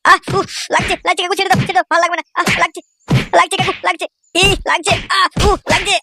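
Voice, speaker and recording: A woman's voice: extremely high pitch, flat delivery, fast, very noisy. A woman voicing an aggrieved, foul-mouthed male rickshaw driver in a comedy cartoon, grumbling and cheeky. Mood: pained, pleading.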